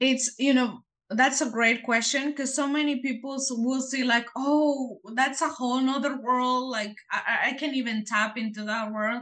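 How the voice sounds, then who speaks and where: This voice has a strong Mexican accent and a bright, sharp tone. It moves at a moderate pace with fairly even intonation and hardly any pauses. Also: woman, high pitch for a woman. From Mexico. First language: Spanish. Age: 20s. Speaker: real estate investor. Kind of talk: podcast interview.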